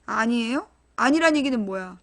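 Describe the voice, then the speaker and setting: High-voiced woman hosting blunt political talk. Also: lively intonation, moderate pace, fairly bright tone. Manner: talks directly to chat viewers, asks them questions; blunt and emphatic, informal speech. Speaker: political live-stream host. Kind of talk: live-stream political commentary.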